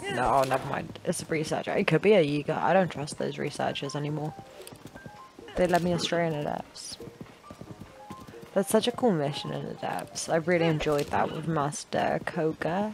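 A woman's very deep, low voice, relaxed in tone, at a moderate pace with long, frequent pauses and ordinary pitch variation, music in the background. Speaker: gaming YouTuber. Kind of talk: casual gameplay commentary. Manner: relaxed, laid-back.

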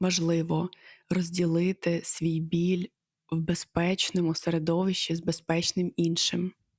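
At a very slow pace, a woman speaks in a fairly low, monotone, flat voice with very even loudness, on a very clean recording with a silent background and a dry, close sound with no echo. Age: 30s. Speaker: clinical psychologist. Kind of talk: self-presentation video.

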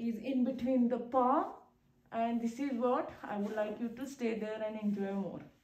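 Light background noise and audible room echo behind a woman's moderately paced speech. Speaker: yoga instructor. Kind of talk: tutorial. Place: home room. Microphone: camera far.

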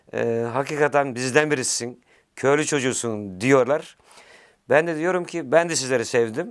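A man speaks in a plain, everyday voice, fairly high in pitch and at a fairly slow pace. The recording is very clean with a silent background. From Turkey, Balıkesir countryside. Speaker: veterinarian and livestock farmer, association candidate. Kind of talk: interview.

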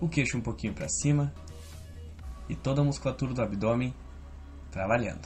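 Faint music sits in the background as a man speaks at a moderate pace. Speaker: fitness instructor. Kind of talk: exercise class instruction. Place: garden. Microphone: camera far.

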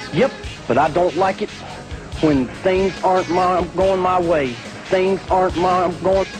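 A high-pitched man at a fairly slow pace, with clear music in the background. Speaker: professional wrestler. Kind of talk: wrestling promo. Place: studio. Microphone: handheld.

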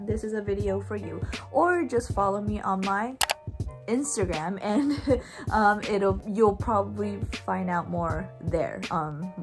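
A woman talks at a fairly slow pace. Clear music sounds in the background. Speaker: vlogger. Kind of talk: casual vlog chat. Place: home room. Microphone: phone near.

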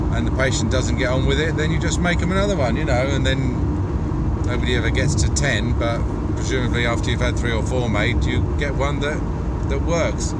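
A man talks at a fairly quick pace with ordinary pitch variation, the sound dry with no echo, amid loud background noise. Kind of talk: casual vlog chat. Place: car. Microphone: phone near.

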